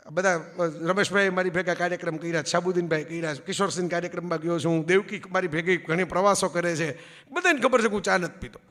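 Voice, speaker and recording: Bright-voiced man telling stories onstage. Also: high voice, big-room sound. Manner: storytelling, acts out quoted voices, asks audience "barabar?". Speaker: public speaker. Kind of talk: Gujarati public speech with anecdotes. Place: event hall before an audience.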